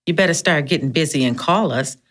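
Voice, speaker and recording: A woman's voice: sits low, brisk, fairly bright tone. A woman voicing a sassy, bawdy woman friend in an audiobook, swearing freely as she tells a story. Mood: comforting, sassy. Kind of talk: audiobook character reading.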